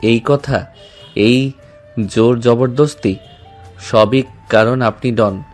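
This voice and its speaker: A man voices a shy, flustered young man in an audio love story. He talks slowly and haltingly, breaking his lines into pieces. Faint music runs underneath. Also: medium pitch, darkish tone, lightly acted. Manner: hesitant, halting speech. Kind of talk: audio drama acting.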